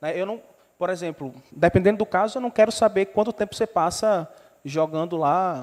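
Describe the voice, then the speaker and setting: A man with a slight northeastern Brazilian accent speaks at a fairly quick pace. His pitch is high, with ordinary variation. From Brazil, Northeast (Mossoró, Rio Grande do Norte). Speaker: researcher presenting at a workshop. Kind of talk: technical presentation. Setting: auditorium with audience.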